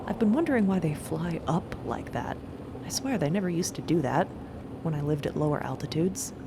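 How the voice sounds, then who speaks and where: A woman's voice: sits low, lively intonation, fairly quick, background noise. A woman playing an earnest, reflective male scientist in a heartfelt audio drama. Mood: musing. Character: earnest, wistful male scientist moved by exploration.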